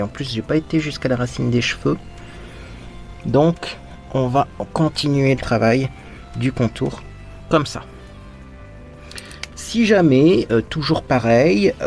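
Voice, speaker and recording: A man's voice: medium pitch, a little mellow. A man hosting a casual makeup tutorial, chatting playfully to viewers while he applies his makeup and dropping in little sound words.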